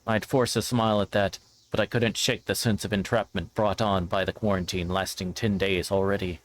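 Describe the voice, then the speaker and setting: On a livestream, a man reads a visual novel's scripted narration aloud, occasionally tripping over a word. His voice is low and level at a normal speed, with music playing in the background.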